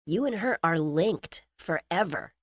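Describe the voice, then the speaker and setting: A man's voice: on the high side, lively intonation, a little slow, fairly bright tone, no echo, studio quality, voice pushed up, heavily acted. A man voicing a stern, bossy young woman who scolds and lectures in an exasperated way. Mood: scolding.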